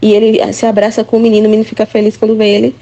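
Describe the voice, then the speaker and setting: A woman's voice: medium pitch, completely flat delivery, very fast, warm tone, dull audio. A Brazilian woman, a mother, giving a rambling, casual spoken testimony to a Catholic study group and often checking in with "né?" and "sabe?". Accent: Brazilian Portuguese.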